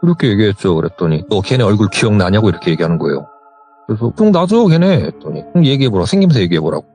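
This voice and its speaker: A young man recounts a personal story as a phone-interview guest and plays out each exchange in quoted dialogue. His voice sits low yet swings widely in pitch. Soft music runs faintly behind him. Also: very fast. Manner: animated retelling, quoting others in dialogue. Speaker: caller telling a true ghost story.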